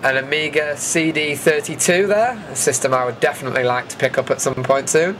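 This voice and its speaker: A man's voice: on the high side, brisk, a bit bright. Casual man narrating, faint background noise. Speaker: video host narrating event footage. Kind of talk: casual voice-over commentary.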